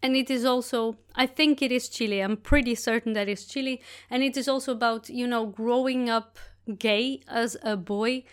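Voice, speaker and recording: Chatty woman with a smooth, higher voice. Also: steady tone, normal speed. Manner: chatty, rambling, self-correcting. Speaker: podcast host. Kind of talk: casual monologue book review.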